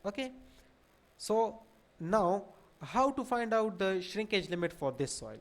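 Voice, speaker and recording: A man in his thirties with a South Asian accent giving an explanatory lecture, hesitant and repetitive, with frequent pauses. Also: sits high, expressive. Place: small indoor room at a desk.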